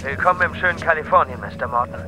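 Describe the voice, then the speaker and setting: A man's voice: on the high side, background noise, natural voice. A man playing an obliging, deferential business contact on the telephone in an audio drama. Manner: brisk, deferential. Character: obliging male Californian business contact on the phone. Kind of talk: horror audio drama dialogue.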